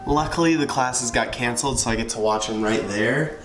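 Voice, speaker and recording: A man's voice: mid-range voice, brisk, music in the background, poor audio. A man in his twenties, a student athlete, narrating his day in an easygoing, casual vlog style. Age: 20s.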